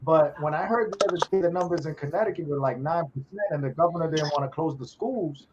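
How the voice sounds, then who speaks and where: Excitable podcast host on a dull recording. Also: male voice, fairly high pitch, quick pace, noisy background. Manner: excitable, laughs loudly, repeats words. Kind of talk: casual podcast chat.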